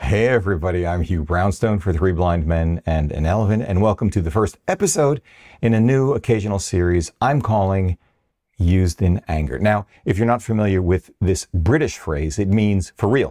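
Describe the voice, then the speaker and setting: Very deep and low in pitch, this man's voice has a dark, mellow tone and lively intonation at a moderate pace. The background is quiet. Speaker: video creator, gear reviewer. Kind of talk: talking-head tech commentary. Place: home room.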